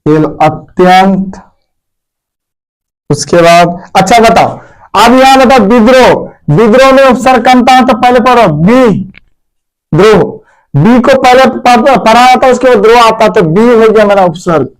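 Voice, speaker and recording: A man's voice: very high-pitched, animated, a little slow, poor audio. A man teaching a grammar lesson to pupils at a board, repeating key words and quizzing them. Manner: addresses pupils as "मेरे प्यारे बच्चों".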